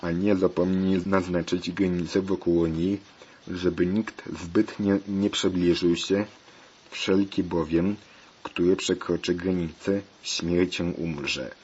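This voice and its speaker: A man voicing a solemn lawyer who recites commandments slowly, on a dull lo-fi recording with faint hiss. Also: low voice, flat delivery, a little mellow. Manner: slow, preachy delivery.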